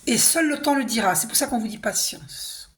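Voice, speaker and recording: Woman card reader, hoarse and throaty, fairly high voice, chatty and reassuring; faint kitchen clatter behind. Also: animated, normal speed, slight background noise. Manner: chatty, reassuring, tag questions like hein and d'accord. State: hoarse, clearing throat and coughing. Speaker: tarot and oracle card reader. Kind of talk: casual spiritual card reading to camera.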